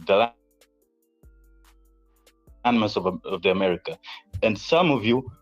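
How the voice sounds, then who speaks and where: A man's voice: on the low side, expressive, unhurried, muffled recording, faint music behind. A man from Tanzania, a guest in a live-stream debate, laying out his reasoning step by step.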